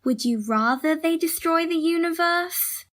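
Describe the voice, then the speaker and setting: A woman's voice: extremely high pitch, unhurried. A woman playing a stern, bossy, condescending young twin sister in an audio drama.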